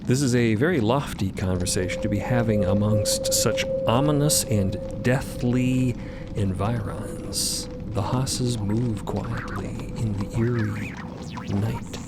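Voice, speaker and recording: With loud music underneath, a man narrates a fiction podcast slowly. His voice sits low, and his delivery is theatrical and hushed, in a scripted storytelling style.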